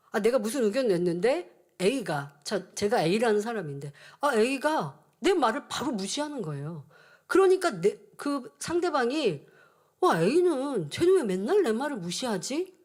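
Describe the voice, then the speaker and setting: Woman, preacher, sermon, high voice, earnest teaching tone, acts out dialogue.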